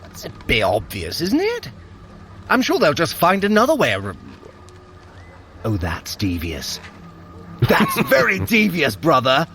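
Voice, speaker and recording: A man's voice: on the high side, wildly swooping pitch, a little slow, long pauses, pushed and bright, soft background music, full character voice. An actor playing a sly, haughty trickster god in an audio drama, sardonic, smug and theatrical as he bickers with his brother. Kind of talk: scripted audio drama acting.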